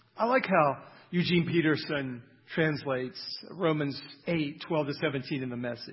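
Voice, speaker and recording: There is audible room echo around this man. His fairly high voice moves at a moderate pace with ordinary pitch variation. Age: 60s. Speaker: pastor. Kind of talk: sermon.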